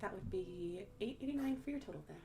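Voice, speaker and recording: A woman's voice: mid-range voice, lively intonation, fast, creaky, music in the background. A woman playing a polite, welcoming café server in an ASMR roleplay, taking orders obligingly. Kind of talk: ASMR roleplay, customer service patter.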